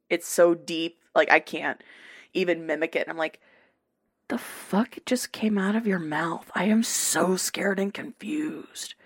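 Slow-talking, giggly woman host. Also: lowish voice, fairly bright tone. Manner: giggly, rambling storyteller. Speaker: podcast host. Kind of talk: casual chat.

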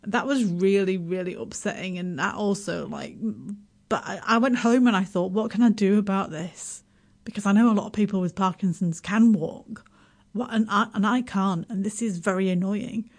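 Laughing woman with a Yorkshire accent. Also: medium pitch. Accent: Yorkshire English. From Yorkshire, England. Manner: self-deprecating, laughs often, halting restarts. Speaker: guest. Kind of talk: casual radio interview.

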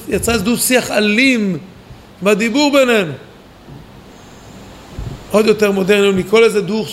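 A man, a rabbi, giving a weekly Torah lesson at a yeshiva, animated and speaking straight to his listeners. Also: high voice, a little hiss or hum. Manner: animated, acts out quoted voices, talks to listeners directly. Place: study hall at a yeshiva.

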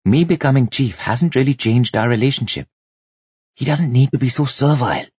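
A man's voice: medium pitch, animated, normal speed, a little mellow, husky, dry recording, dull audio, voice pushed up. A man voicing a brooding young tribal chief musing inwardly in a fantasy audiobook. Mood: puzzled.

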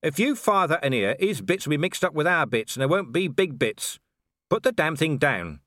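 An actor reading a harried, gruff male watch commander in an audiobook. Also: on the high side, sing-song, moderate pace, fairly bright tone, no echo, clean studio sound, pitched above the performer's own voice. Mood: urgent.

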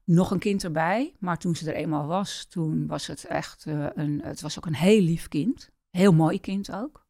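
Middle-aged woman from the Netherlands, low and gravelly, halting interview guest. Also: dark tone, no room sound, studio quality. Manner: hesitant, many pauses and fillers. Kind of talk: personal life-story interview.

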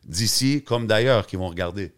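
A man's voice: lowish voice, moderate pace. A man with a Montreal French accent hosting a podcast in casual chat, mixing English slang into his French. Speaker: podcast host.

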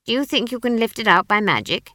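A woman's voice: a little high, expressive, quick pace, bright, forceful tone, no echo, clean studio sound, voice pushed up. Woman putting on a stern, imperious old witch. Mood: curt. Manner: scolding, clipped, imperious. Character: stern old witch, sharp-tongued and commanding. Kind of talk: audiobook character voice.

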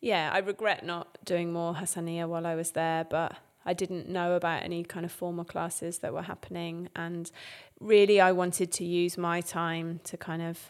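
English woman, low-ish voice, interview guest, unhurried and reflective, lots of ums. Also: little pitch movement, clean tone. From England. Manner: thoughtful, many fillers and restarts. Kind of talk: conversational interview.

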